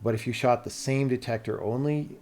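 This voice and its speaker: A man's voice: mid-range voice, steady tone, brisk, a little mellow, slight background noise. An American man chatting casually on a livestream, explaining tech and thinking aloud in an informal, rambling way. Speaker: live streamer.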